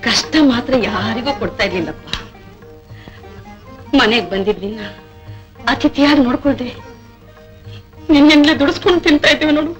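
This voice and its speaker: An actress playing a weary older sister in a poor village home who speaks with bitterness about their hardship. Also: female voice, sits high, moderate pace, long pauses, muffled recording, faint music behind, natural voice. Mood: bitter. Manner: bitter, complaining tone. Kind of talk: 1970s film acting.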